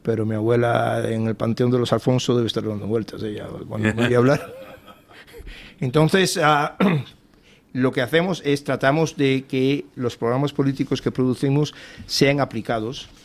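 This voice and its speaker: Cuban-born guy on a radio panel, mid-pitched voice, keeps searching for the right word. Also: normal speed. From Cuba. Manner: searches for words, laughs easily. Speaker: think-tank guest. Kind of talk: casual radio panel talk.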